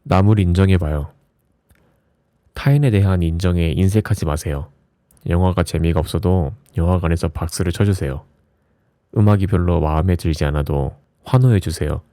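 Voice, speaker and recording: A man with a low voice reads reflective essays as an audiobook narrator, in a soft ASMR style with a gentle, soothing bedtime delivery. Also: moderate pace, no echo, clean studio sound. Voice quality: low, mellow voice.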